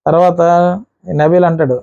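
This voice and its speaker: A man recapping a reality show episode in a casual, rapid way, acting out what the contestants said. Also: a little high, vocal fry, warm tone, no room sound, lo-fi sound.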